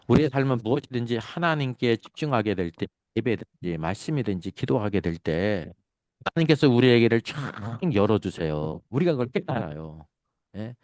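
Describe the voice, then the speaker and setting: Male pastor, Bible lecture; asks and answers his own questions, very animated pitch. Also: dry recording. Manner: asks the class questions and answers them himself; drops to a soft, quiet tone when greeting members. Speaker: pastor teaching a Bible study.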